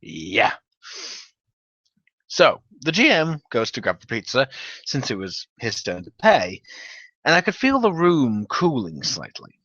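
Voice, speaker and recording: A man's voice: mid-range voice, unhurried, pauses often. A man giving a theatrical, wry dramatic reading of a humorous gaming story as its narrator. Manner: theatrical, animated, wry delivery with profanity. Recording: dull, roomy home recording.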